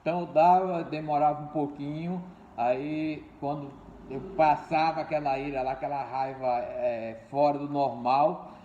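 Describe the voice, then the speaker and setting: Older preacher guy, kinda high voice but mellow, keeps repeating himself, echoey hall. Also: steady tone, a little slow, a little hiss or hum. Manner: repeats key words, addresses listeners as dear ones and brothers. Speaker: pastor. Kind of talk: sermon. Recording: echoey room, dull lo-fi sound.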